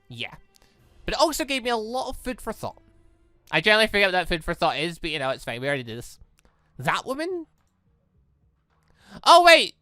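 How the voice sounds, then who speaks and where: Guy doing a lets play, bright excitable voice, rambles away, faint music behind. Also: sits high, brisk, long pauses, dry recording. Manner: rambling, excitable, thinking aloud. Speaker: let's play host. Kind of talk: casual game commentary with read-out dialogue.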